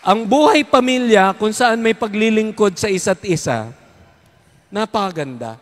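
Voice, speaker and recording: A man's voice: high voice, lively intonation, moderate pace. A middle-aged man from the Visayas, a priest giving a playful parish recollection talk, leading prayers and getting the audience to clap. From Visayas, Philippines. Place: church or parish hall. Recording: long hall reverb.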